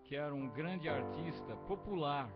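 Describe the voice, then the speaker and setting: An older Brazilian man talks at a studio microphone in a small home room, in a rambling, reflective, unhurried monologue. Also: on the high side. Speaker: home radio host and musician. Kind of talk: casual spoken monologue. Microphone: large studio microphone close up. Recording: dull lo-fi webcam recording with loud music.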